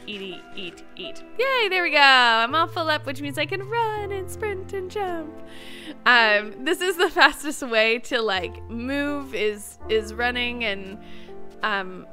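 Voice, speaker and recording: Hosting a gameplay video series, a woman with a high, bright, forceful voice chats casually and expressively, talking herself through what she's doing as she plays.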